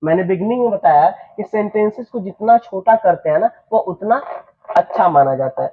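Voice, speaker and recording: Young male teacher with a Bhojpuri-flavored accent and a high voice, recorded thin like a phone line, repeating lines and checking students understand. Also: lively intonation. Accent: Bhojpuri-influenced Hindi. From eastern Uttar Pradesh, India. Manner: repeats phrases, checks students understand, slows down for English sentences. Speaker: English teacher. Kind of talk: classroom lesson.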